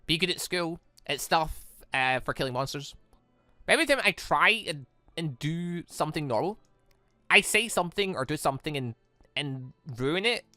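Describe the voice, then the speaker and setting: Man acting as insecure teenage girl, visual novel game, high swooping pitch, stammering, pleading. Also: lively intonation, moderate pace, pushed and bright, no room sound, soft background music. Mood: distressed. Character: insecure, flustered, self-blaming teenage girl, monster hunter.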